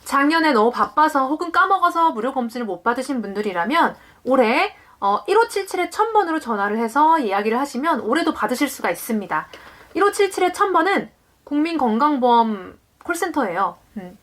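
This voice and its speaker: A woman's voice: high voice, big pitch swings, brisk, fairly bright tone. A woman in her late twenties, a vlogger, talking viewers through a topic step by step in a friendly way and answering her own questions. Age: late 20s. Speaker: parenting vlogger. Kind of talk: explanatory vlog talk to viewers.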